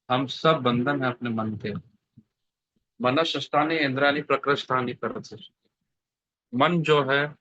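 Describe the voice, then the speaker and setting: A man delivers a devotional sermon in a storytelling way and often puts questions to his listeners. His voice sits at an ordinary middle pitch. It comes through a dry, slightly dull online call with no room sound. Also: sharp tone, dry recording. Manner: storytelling, asks the audience questions. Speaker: scripture speaker. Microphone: online video call.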